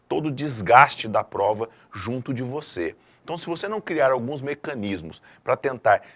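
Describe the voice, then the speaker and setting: Lively middle-aged man teaching math. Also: mid-range voice. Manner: lively, emphatic classroom delivery with frequent checks like "tá?". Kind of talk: video lesson.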